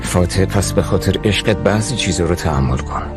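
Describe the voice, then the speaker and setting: An actor dubbing a wise older uncle who gives his nephew calm, persuasive advice. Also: low-pitched. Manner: steady, persuasive, fatherly. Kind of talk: Persian drama dubbing. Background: soft music score.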